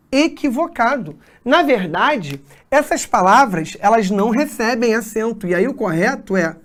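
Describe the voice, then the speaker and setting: A woman teacher explaining grammar at a whiteboard, often checking in with her students. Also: fairly high pitch. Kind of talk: exam-prep grammar lesson.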